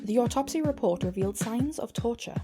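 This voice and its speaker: Sober newswoman over loud music, acted. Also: fairly high pitch, expressive, a little fast, lightly acted. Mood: grave. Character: sober female news reporter. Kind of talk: news report.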